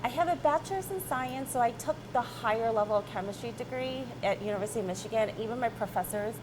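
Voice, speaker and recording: A woman's voice: a little high, quick pace. A woman in her late thirties, born in South Korea, chatting easily and laughing as an interview guest about her work as a chemist. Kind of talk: casual interview. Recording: noisy background.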